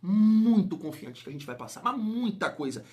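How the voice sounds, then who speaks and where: A man's voice: high voice, sing-song, normal speed, a little mellow. A man hosting a football fan vlog, talking emphatically and firing off rhetorical questions. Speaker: football fan channel host. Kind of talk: casual vlog commentary.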